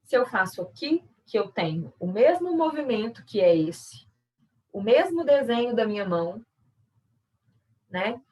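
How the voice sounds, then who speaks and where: A woman's voice: on the high side, sing-song, a little slow, darkish tone, distant mic, low-quality recording. A woman with a Brazilian Portuguese accent, a sign language interpreter teaching an online workshop in a conversational, explanatory way with frequent tag questions.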